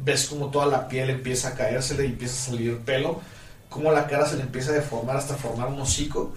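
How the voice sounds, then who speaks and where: In a Mexican accent, a man with a medium pitch talks at a very fast pace amid audible room echo and noticeable background noise. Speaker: game master. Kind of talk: tabletop role-play narration. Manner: animated.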